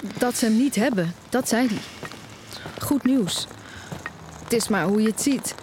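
An actress playing an anxious, restless young music student in an audio drama, narrating in terse, introspective fragments. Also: female voice, on the high side, measured pace, noisy background, lightly acted. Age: young adult. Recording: music behind the voice.

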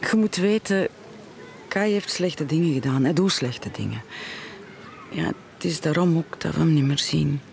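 A woman's voice: low-pitched, normal speed, vocal fry, darkish tone, a little hiss or hum. An actress playing a worried, devout middle-aged mother with a Flemish accent in an audio drama. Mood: grave, devout. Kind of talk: naturalistic audio drama acting.

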